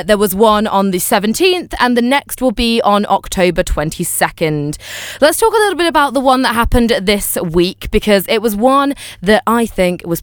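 A woman's voice: mid-range voice, clear, resonant tone, dry recording. A young woman presenting a music radio show in a chatty, enthusiastic way, with fillers and apologies for her pronunciation. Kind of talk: casual radio chat.

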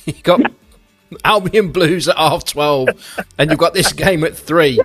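On a local radio sport slot, a man hosts a football predictions segment, chatty and teasing and loose with fillers, full of ums and restarts. His voice sits a little high, with a fairly bright tone and an unhurried pace.

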